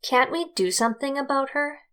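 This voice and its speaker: A woman's voice: sits high, animated, normal speed, a bit bright. A woman playing an exasperated, practical young character in an audio drama, speaking bluntly. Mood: urgent, practical.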